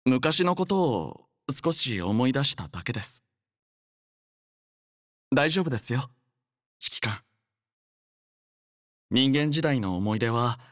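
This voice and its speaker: A man voicing a courteous, earnest young android soldier in an anime game, speaking in a polite, formal, measured manner. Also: mid-range voice, no room sound, studio quality. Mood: gentle, reserved. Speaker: game character voice. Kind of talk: scripted anime game voice lines.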